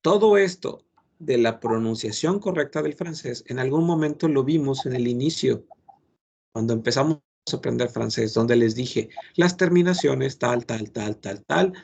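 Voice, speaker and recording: Gravelly-voiced man teaching French. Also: medium pitch, darkish tone, a little hiss or hum. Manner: earnest, admonishing, gives many examples. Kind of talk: lecturing a language class.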